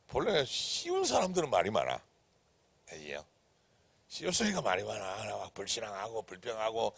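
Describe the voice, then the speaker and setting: A man preaching a sermon as pastor, who swings from loud, emphatic declarations to hushed whispers and keeps asking the congregation questions. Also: medium pitch, vocal fry, no room sound. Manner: asks the congregation rhetorical questions. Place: church sanctuary.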